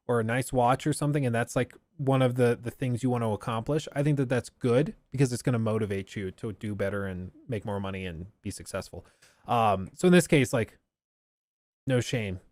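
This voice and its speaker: A man's voice: mid-range voice, no room sound, clean studio sound. A man giving casual, enthusiastic live reaction commentary on a stream, chatty and loose with fillers. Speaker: streamer reacting to a game showcase.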